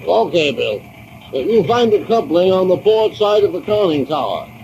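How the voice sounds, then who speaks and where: A folksy, humble diving technician. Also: male voice, high voice, sing-song, moderate pace, gravelly, darkish tone, heavily acted, rough recording. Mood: urgent. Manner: folksy, plain-spoken. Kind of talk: 1950s radio drama acting. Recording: hissy old radio transcription.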